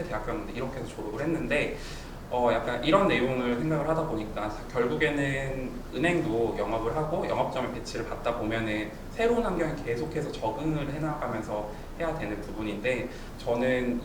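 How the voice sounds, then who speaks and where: A man on a bank panel, calmly explaining his own experience. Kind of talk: panel talk. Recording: echoey hall, distant mic, rumble.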